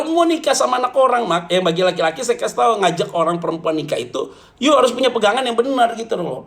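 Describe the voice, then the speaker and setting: A man preaching to a congregation as pastor, animated and jokey, often turning to address his listeners directly. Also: high-pitched. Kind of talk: lively humorous sermon.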